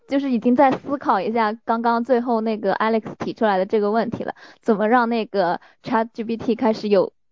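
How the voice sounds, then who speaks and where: Using a plain, everyday voice, a woman talks at a fairly slow pace with a fairly high pitch and ordinary pitch variation. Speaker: co-host moderator. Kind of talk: moderated panel discussion. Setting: online audio space.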